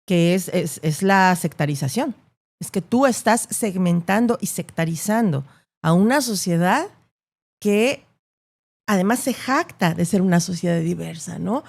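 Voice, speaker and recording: Woman journalist, interview guest; gravelly, emphatic, thoughtful delivery. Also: on the low side, lively intonation, a little slow. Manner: thoughtful, emphatic, with frequent rhetorical "¿no?". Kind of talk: podcast interview answers.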